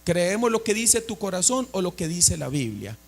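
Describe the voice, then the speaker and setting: A man's voice: high voice, very animated, moderate pace, creaky. A man preaching a sermon as a pastor, asking the congregation questions and calling for responses.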